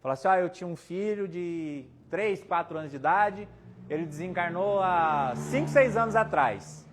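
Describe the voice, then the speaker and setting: Brazilian guy, kinda high voice, chatty storyteller at a spiritist talk. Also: animated, normal speed, slight background noise. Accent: Brazilian Portuguese. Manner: chatty, anecdotal, quotes people in his stories, jokes. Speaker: spiritist medium speaker. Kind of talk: casual storytelling talk with audience questions.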